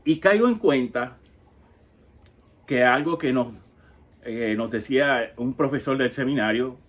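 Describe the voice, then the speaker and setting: A male Catholic catechist in his fifties walks through a Bible passage at an unhurried, measured pace. His voice sits in a middle register, and he keeps stopping to pose rhetorical questions to his listeners. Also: mid-range voice. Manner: slow, pausing, conversational teaching with many rhetorical questions.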